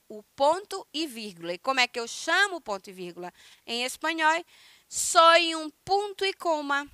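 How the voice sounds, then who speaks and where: A woman's voice: high-pitched, bright, forceful tone, dry recording. A woman with a Brazilian Portuguese accent teaching an online Spanish class, explaining step by step and checking in with her students. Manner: explanatory, keeps checking in with listeners.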